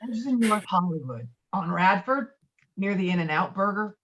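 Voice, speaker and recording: Brash, domineering, sweary buddy type played by a woman, mid pitch, muffled call audio. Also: animated, moderate pace, fairly bright tone, slight background noise, natural voice. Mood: exasperated, forceful. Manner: blustering, swearing, insistent. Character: brash, foul-mouthed, domineering male friend named Walter. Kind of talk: virtual table read of a film script. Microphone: video call.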